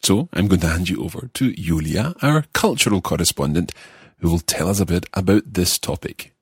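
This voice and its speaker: A man with a very low, husky voice leads a podcast language lesson. He speaks carefully and clearly for learners. The sound is dry and close. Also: expressive, normal speed, no echo. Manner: careful, enunciating learner pronunciation. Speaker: language course host. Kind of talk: podcast language lesson, repeating phrases slowly.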